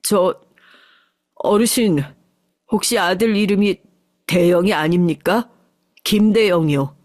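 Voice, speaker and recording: A woman's voice: medium pitch, takes it slowly, darkish tone, no echo, close to an everyday voice. Brief: tearful middle-aged son, polite and pleading, read by a woman in a dry, close audio story. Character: tearful grown son, a company chairman.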